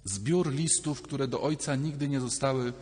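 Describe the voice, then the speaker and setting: A man, a Catholic priest, preaching a sermon in a lively way, acting out little dialogues and speaking straight to his listeners. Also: mid-range voice, moderate pace. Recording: reverberant church hall.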